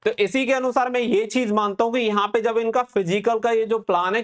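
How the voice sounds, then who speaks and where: A man giving an informal, advisory exam update as a coaching host, mixing in English words. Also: high voice.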